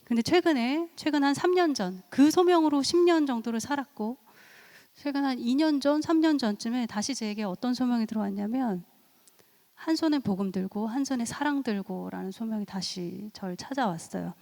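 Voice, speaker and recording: A middle-aged woman gives a church family seminar and tells her stories in a lively way. She acts out the people she quotes and laughs often. Her voice sits a little high, and a long echo from a large church hall trails each phrase. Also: moderate pace, vocal fry. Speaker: seminar speaker and counselor.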